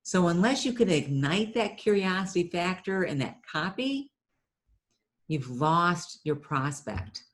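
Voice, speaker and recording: Speaking at a measured pace in a lowish voice with big pitch swings, a middle-aged Ohio woman who runs a marketing business tells stories in a chatty interview. She often repeats a word when restarting.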